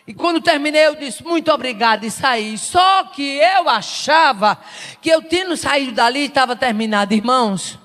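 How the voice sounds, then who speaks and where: A woman missionary preacher, giving a sermon with personal testimony in an emphatic, repetitive way that rises to shouts. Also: high voice, expressive, moderate pace, in a large hall. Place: church service.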